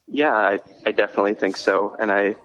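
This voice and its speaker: A lower-pitched man from Minnesota calls into an interview by phone from a coffee shop, his voice muffled by the line. He is a podcast host and concert promoter appearing as a guest, telling stories in a relaxed, casual chat. His tone is steady, fairly quick, and a bit bright, and he rambles with frequent restarts and lots of "like."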